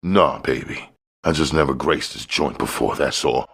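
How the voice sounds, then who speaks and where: A man's voice: rumbling low, normal speed, creaky, fairly bright tone, husky, heavily acted. A man voicing a cool, guarded young street hustler with laid-back, slangy talk in a crime audiobook. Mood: cool, casual.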